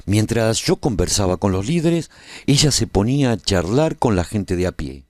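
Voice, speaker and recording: A male survivor telling his story in a radio drama. His voice is on the low side and moves in lively swings of pitch. The delivery is scripted, literary and measured, recorded very dry and close. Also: no room sound. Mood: earnest, reflective. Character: male survivor recounting the rebuilding of a post-apocalyptic world. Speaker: narrator of a radio serial. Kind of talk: scripted dramatic first-person narration.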